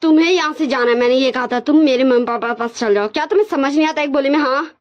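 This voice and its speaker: A woman's voice: high-pitched, fast, lightly acted. Woman doing a harsh, angry young professor. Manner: harsh, shouting. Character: cold, angry young male professor husband. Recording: dull lo-fi recording.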